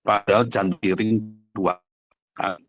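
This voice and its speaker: A man's voice: fairly low pitch, fairly even intonation, unhurried. A man preaching in a conversational, blunt and emphatic way, addressing listeners directly and asking rhetorical questions. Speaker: preacher, pastor. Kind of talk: conversational livestream sermon.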